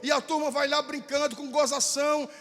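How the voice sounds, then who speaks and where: High-voiced fervent Brazilian preacher. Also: male voice, flat delivery, brisk. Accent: Brazilian Portuguese. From southern Brazil. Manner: fervent, repetitive, rises to shouting. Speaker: pastor. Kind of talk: Pentecostal sermon. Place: church sanctuary. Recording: church hall with long reverb, faint music.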